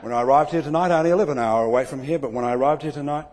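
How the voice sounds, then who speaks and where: A man's voice: mid-range voice, rapid-fire, darkish tone, slight background noise. A man from England with a Manchester accent giving a comic keynote speech to a live audience, with dry, self-deprecating delivery. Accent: Manchester English. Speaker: keynote speaker. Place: event venue before a live audience.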